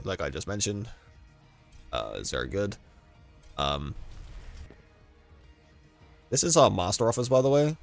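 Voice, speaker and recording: Low-voiced man with a stuffy cold. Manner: relaxed, rambling, frequent ums and self-corrections. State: congested with a cold, losing his voice. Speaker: gaming guide creator. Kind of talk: casual gameplay walkthrough commentary.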